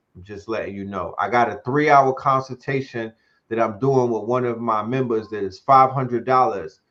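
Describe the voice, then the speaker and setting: A man with a New York accent speaks at medium pitch and a moderate pace. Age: 50s. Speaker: streamer and podcast host. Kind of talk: casual chat.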